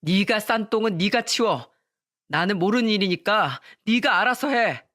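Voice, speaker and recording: A woman's voice: mid-range voice, expressive, normal speed, a bit bright. A woman voicing an angry husband who scolds his wife coldly, in a story reading. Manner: harsh, scolding.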